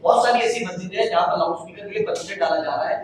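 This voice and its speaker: A man's voice: high-pitched, very fast, distant mic. A man working as a reporter, asking questions at a press conference. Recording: echoey room, off mic, clear noise.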